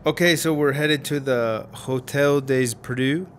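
An actor playing a carelessly optimistic American slacker in a radio drama, talking casually and slangily in an American accent. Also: male voice, mid-range voice, a little slow, noisy background, lightly acted. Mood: breezy, reassuring.

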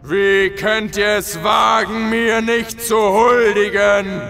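Furious god voice, high and slow, booming and drawn out. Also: male voice, flat delivery, vocal fry, sharp tone, soft background music, full character voice. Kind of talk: audio drama narration.

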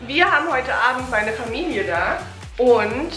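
A woman's voice: fairly high pitch, lively intonation, measured pace, over music. A woman in her thirties chatting casually to the camera and her child as a family vlog host.

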